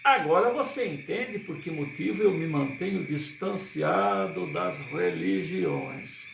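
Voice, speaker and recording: A man's voice: fairly high pitch, big pitch swings, takes it slowly, vocal fry, echoey room, noisy background, heavily acted. A man reading the lines of a skeptical atheist, speaking with a touch of irony. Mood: wry. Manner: ironic.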